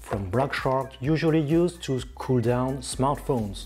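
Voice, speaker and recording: A man with a French accent talks at a moderate pace and a medium pitch, with ordinary pitch variation. Music plays in the background. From France. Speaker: tech YouTuber. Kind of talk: tech tutorial. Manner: some hesitation with fillers.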